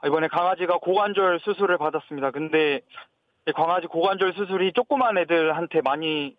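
Male phone-in caller, polite formal speech, slightly high pitch, thin telephone sound. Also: fairly quick, no echo. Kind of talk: polite, formal reporting of personal troubles. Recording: thin narrow phone line.

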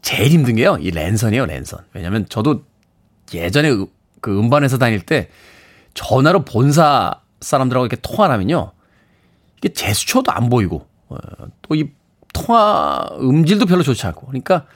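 A man's voice: mid-range voice, sing-song, moderate pace. A man hosting a radio show, chatting, reading listener messages and plugging events with self-mocking humor. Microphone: studio microphone.

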